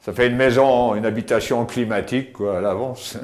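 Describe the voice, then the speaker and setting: An older man giving a casual tour of his cave home, talking with many pauses and fillers, recorded on a camera mic as he moves around. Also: medium pitch, fairly even intonation, darkish tone. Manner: hesitant, many fillers and restarts. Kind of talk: casual spoken house tour. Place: inside stone cave rooms and outdoors by cliffs.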